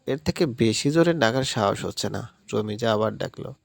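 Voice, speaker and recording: A man narrating a romantic story in steady, scripted audiobook style. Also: fairly low pitch, normal speed, gravelly, dry recording.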